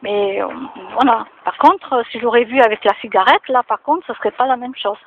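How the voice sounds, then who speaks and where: A woman's voice: fairly high pitch, brisk, a little hiss or hum. Chatty moralizing woman, tinny phone sound. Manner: chatty and moralizing, frequent fillers. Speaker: vlogger. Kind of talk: casual monologue to camera. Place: outdoors near home.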